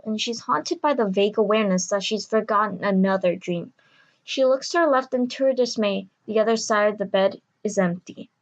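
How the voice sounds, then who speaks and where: A woman's voice: a little high, dull audio. A woman reading scripted story narration for an audio drama.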